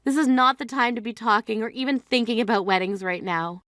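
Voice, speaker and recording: A woman's voice: a little high, a little fast, fairly bright tone, no echo, studio quality, natural voice. An actress playing a grieving sister who scolds her self-absorbed sibling in a blunt, exasperated way. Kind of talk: scripted drama acting.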